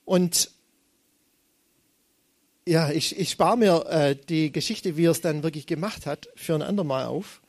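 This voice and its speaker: A man's voice: a little high, unhurried, long pauses, darkish tone, no room sound. A young man preaching a sermon, talking conversationally and acting out quoted voices with animation.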